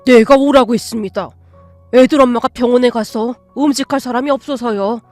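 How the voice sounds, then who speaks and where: A woman doing a harsh, shouting old father. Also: on the high side, brisk, no echo, faint music behind, natural voice. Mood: scornful, shouting. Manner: shouting, contemptuous. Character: harsh, bullying older father, short-tempered.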